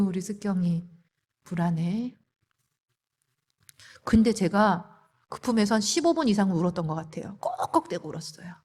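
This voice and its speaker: A woman counselor giving a church marriage seminar talk and sharing a personal story in a lively, expressive way. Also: medium pitch. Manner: personal testimony, soft quoted asides to her husband. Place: church hall. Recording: reverberant hall.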